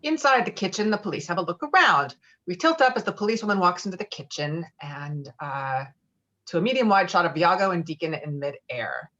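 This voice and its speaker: A woman's voice: on the low side, expressive, fairly quick, a bit bright. A woman reading scripted stage directions as a narrator, heard on muffled audio. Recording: dull, muffled online call audio.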